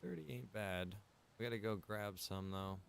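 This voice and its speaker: A man's voice: fairly low pitch, moderate pace, gravelly, slight background noise. A man chatting casually as he streams a game, informal and muttering to himself with the odd mild grumble. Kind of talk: casual chat while gaming.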